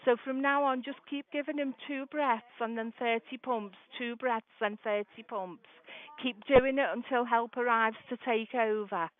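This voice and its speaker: A woman working as an emergency dispatcher, calmly and methodically giving step-by-step first aid instructions over the phone with an encouraging manner. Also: on the high side, normal speed. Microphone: telephone call. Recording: narrow, muffled emergency phone line.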